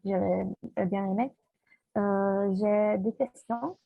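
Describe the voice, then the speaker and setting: A woman's voice: mid-range voice, steady tone, slow, vocal fry, dry recording, soft background music. A woman speaking French as a second language with a foreign accent, hesitantly searching for her words as she asks questions. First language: not French. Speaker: festival participant asking questions. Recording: muffled phone-like online call audio.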